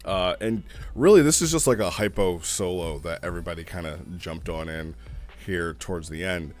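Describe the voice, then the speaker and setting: A man hosting a casual review, talking informally and haltingly in an amused way as he thinks aloud. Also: low-pitched, faint music behind. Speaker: host reviewing role-play logs. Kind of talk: casual rambling review commentary.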